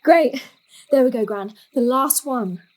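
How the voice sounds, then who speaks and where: A young woman's high voice as an earnest daughter in a family drama. She is practical and direct, speaking naturally to her older relatives. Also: measured pace. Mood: impatient.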